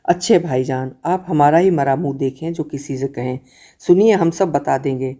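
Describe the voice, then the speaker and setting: A woman's voice: deep voice, normal speed, warm tone. A woman voicing a frightened young girl begging her brother to keep a secret. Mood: pleading. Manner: pleading, anxious.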